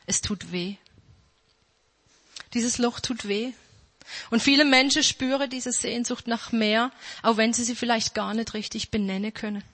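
A woman preaching a sermon with emphatic repetition, slowing down to stress quoted verses. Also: a little high, fairly bright tone. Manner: emphatic, repeats key phrases, slows down for quoted verses. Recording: reverberant hall.

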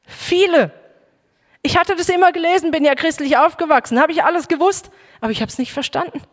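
A woman preacher giving a personal testimony sermon, emotional and halting, with frequent restarts. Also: sits high. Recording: echoey hall reverb.

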